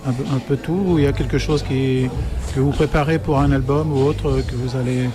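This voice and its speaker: A man's voice: medium pitch, steady tone, fairly quick. A man interviewing a musician on the radio, asking plain questions with some hesitation.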